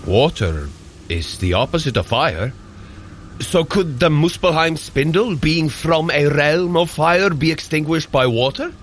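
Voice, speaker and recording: An actor playing a hearty, boisterous warrior god with bombastic, old-fashioned speech in a fantasy audio drama. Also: male voice, on the high side, animated, a little hiss or hum. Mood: earnest. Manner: bombastic, archaic, deliberate.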